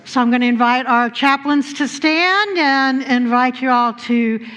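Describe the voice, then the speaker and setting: A woman leading a church service with blessings and announcements, speaking in measured, reverent phrases. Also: high-pitched, fairly bright tone. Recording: dull, long hall reverb.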